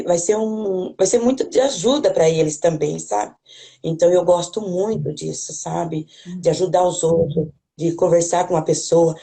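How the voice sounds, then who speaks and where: Brazilian woman, country accent, lowish mellow voice, halting and unsure, guest on a call. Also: vocal fry. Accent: Brazilian Portuguese, rural. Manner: hesitant, many restarts and tag questions. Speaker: guest, parish worker. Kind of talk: casual conversation, hesitant.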